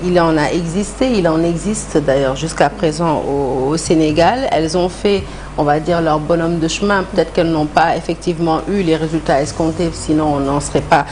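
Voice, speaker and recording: Low-voiced woman hosting an interview. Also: darkish tone, slight background noise. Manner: hesitant, halting phrasing with repeated words. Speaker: TV news host interviewing a guest. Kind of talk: live studio interview. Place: TV studio.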